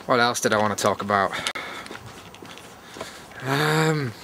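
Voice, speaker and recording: This British man, a YouTube vlogger and host, speaks slowly in a mid-range voice while casually rambling on a chatty, meandering walk-and-talk. It's a cold evening walk outdoors, and outdoor background noise is clearly heard.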